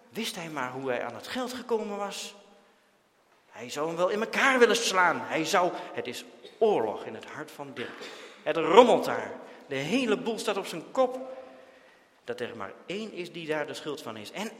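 A man reading a children's story aloud, with expressive, dramatic storytelling. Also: fairly high pitch, in a large hall. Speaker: narrator.

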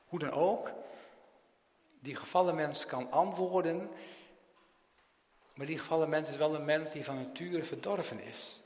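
A man with a slightly raised voice delivers a catechism sermon, putting rhetorical questions to his listeners and tagging many sentences with a little "hè". His loudness rises and drops sharply from line to line. The sound carries a roomy church echo with a long tail. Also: a little high, measured pace, pauses often. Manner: rhetorical questions, frequent tag "hè", strong swings in loudness. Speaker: preacher.

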